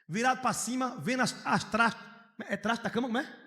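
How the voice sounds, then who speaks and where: A man preaching a sermon as pastor, telling personal stories, moving between hushed storytelling and loud outcries. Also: very high-pitched, a little fast. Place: church hall. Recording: long reverb of a church hall.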